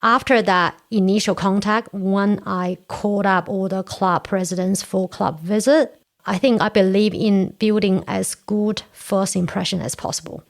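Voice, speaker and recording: Gravelly-voiced woman in her forties. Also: medium pitch, measured pace. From China. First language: Korean. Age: 40s. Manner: earnest, explains step by step. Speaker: podcast guest, Toastmasters area director. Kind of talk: casual interview chat.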